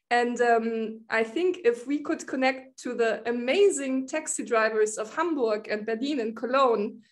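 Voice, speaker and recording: Organizer woman closing a video-call panel; hesitant, filler-heavy delivery, slightly high. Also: unhurried. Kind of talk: online panel discussion. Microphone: laptop video call.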